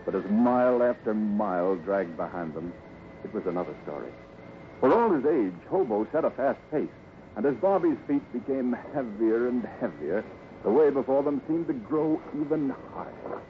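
An actor as the American narrator of a 1950s radio western serial, telling the story in a dramatic, measured way. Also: male voice, mid-range voice, very animated, a little hiss or hum, lightly acted. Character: storytelling announcer of a boys' western adventure serial. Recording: muffled 1950s radio recording. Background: music.

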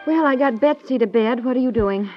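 A woman's voice: a little high, a little fast, music in the background, natural voice. An American woman playing a naive, soothing, stubbornly optimistic wife in a chatty 1950s radio comedy style. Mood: concerned, soothing. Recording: dull vintage 1950s radio recording.

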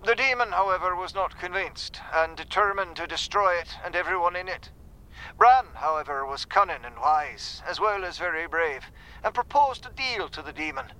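A man narrating a folk tale in a solemn, deliberate storytelling manner. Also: sits high, sharp tone, poor audio.

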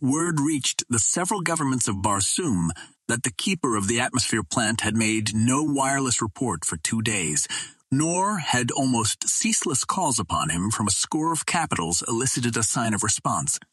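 A man's voice: medium pitch, big pitch swings, moderate pace, a bit bright, breathy edge, no room sound. A man voicing a solemn alien ruler who addresses his council in formal oratory, in an audiobook. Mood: grave, urgent.

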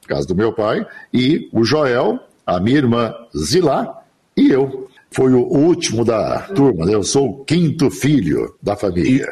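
An older man from the interior of São Paulo, a radio announcer telling his life story in a relaxed, chatty interview over a remote link. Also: medium pitch, unhurried, slightly rough. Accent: Brazilian Portuguese, São Paulo interior. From interior of São Paulo state, Brazil. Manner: chatty, laughs easily, rambling anecdotes. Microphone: remote online recording.

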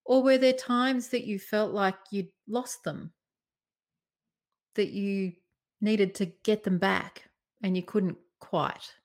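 A woman giving presentation tips in a conversational, expressive way, varying her tone and emphasis. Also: medium pitch, slow. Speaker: presentation coach. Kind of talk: talking-head presentation tips.

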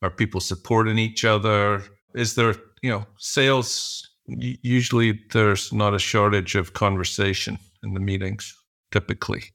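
A man's voice: lowish voice, fairly even intonation, normal speed, vocal fry, fairly bright tone. A middle-aged man answering interview questions as a guest, thinking aloud with frequent restarts and fillers. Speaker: podcast guest, executive coach.

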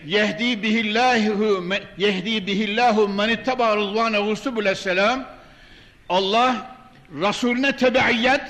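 Older male preacher, high-pitched, at a pulpit mic, long mosque reverb. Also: a bit bright. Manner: emphatic, swelling declamation. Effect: at a pulpit microphone. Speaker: imam preaching. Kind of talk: fervent sermon with Arabic recitation. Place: large mosque. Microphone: pulpit microphone.

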